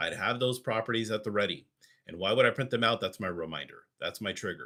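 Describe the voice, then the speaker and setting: His tone is bright and sharp. This man has a fairly low pitch with ordinary pitch variation. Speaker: real estate coach. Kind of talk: webinar training. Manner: fast.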